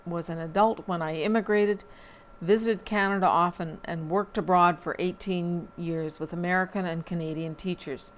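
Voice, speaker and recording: A woman reading local newspaper items aloud at a measured pace, with small slips and dry asides. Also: fairly low pitch, a little hiss or hum.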